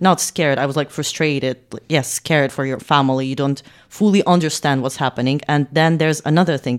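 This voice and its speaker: A woman with a Ukrainian accent and a very deep, low pitch, at a fairly quick pace with hardly any pauses and fairly even intonation. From Ukraine, Kyiv. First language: Ukrainian or Russian. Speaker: political scientist and volunteer activist. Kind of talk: casual interview.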